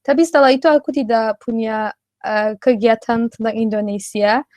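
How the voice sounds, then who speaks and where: A woman's voice: on the high side, steady tone, moderate pace, a little mellow, dry recording. An eighteen-year-old native Turkish woman with a Turkish accent, giving casual interview answers as a language student. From Turkey.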